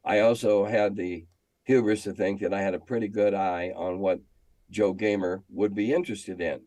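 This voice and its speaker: A man's voice: on the low side, steady tone, normal speed, warm tone, dry recording. An older man reminiscing casually in an interview, speaking emphatically and repeating phrases to make his point. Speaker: game designer and magazine editor guest.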